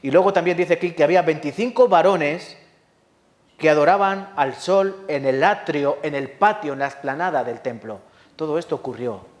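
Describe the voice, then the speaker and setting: A man preaching a sermon with a Spanish accent from Spain, telling stories dramatically with rhetorical questions and acted-out sounds. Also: medium pitch. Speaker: pastor. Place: church hall.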